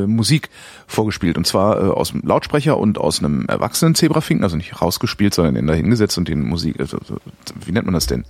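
A man in casual chat, telling a story with lively energy and often searching for words. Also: mid-range voice, no room sound.

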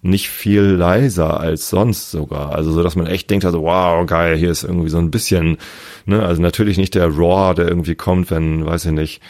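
Very deep-voiced hoarse man, hesitant. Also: steady tone, normal speed, a little mellow, no room sound, clean studio sound. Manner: hesitant, many fillers and restarts. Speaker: football fan guest. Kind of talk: casual conversation.

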